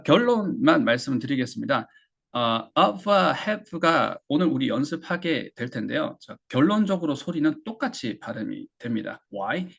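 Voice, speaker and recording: Husky, gravelly man teaching pronunciation. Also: mid-range voice. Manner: drills phrases and repeats them slowly. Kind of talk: classroom lesson.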